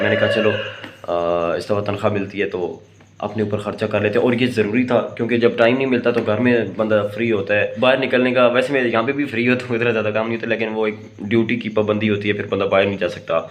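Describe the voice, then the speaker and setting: A hoarse man from Pakistan, his throat sore, talks to camera in a loose, rambling vlog style. He pauses on fillers and restarts his sentences, his voice sitting fairly low. A faint hiss runs in the background of this casual vlog talk.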